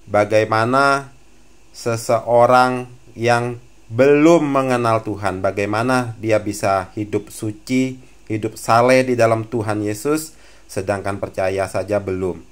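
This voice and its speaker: Slow, smooth-voiced male preacher. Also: fairly low pitch. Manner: slow, deliberate preaching with rhetorical questions. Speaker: pastor. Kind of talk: sermon commentary.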